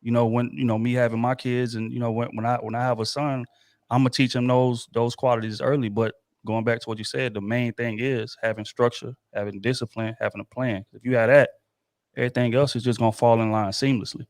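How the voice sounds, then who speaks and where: A man's voice: mid-range voice, little pitch movement, brisk, dry recording, studio quality. A male host of a casual chat show, talking in a laid-back, slangy way with many fillers.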